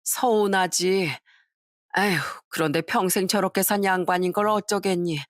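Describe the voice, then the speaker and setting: A woman voicing a kind, long-suffering mother-in-law in her sixties who speaks softly and wearily. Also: mid-range voice, moderate pace, dry recording, studio quality, close to an everyday voice. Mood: weary. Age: 60s. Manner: soft, weary, pleading.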